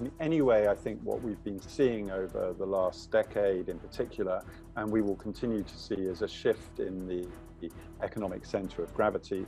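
A man keeps a moderate pace while there is faint music in the background. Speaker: remote guest. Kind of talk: interview answer. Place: home room. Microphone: earbuds.

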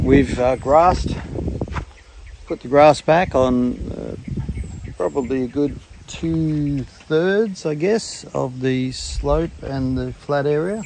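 Recorded with a dry sound and no echo, a man speaks over noticeable background noise. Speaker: retiree vlogger. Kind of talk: casual vlog chat. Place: garden. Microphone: phone near.

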